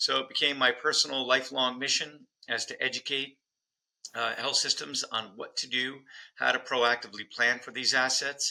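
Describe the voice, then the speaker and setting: This man talks at a moderate pace with a bright, sharp tone. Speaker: business executive and auctioneer. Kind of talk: interview. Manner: hesitant, many fillers.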